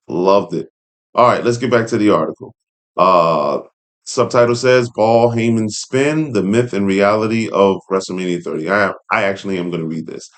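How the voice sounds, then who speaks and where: A man's voice: on the low side, normal speed. A man hosting a casual read-along commentary, speaking in an informal, opinionated way with conversational asides. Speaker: host and commentator. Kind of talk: casual commentary while reading an article aloud.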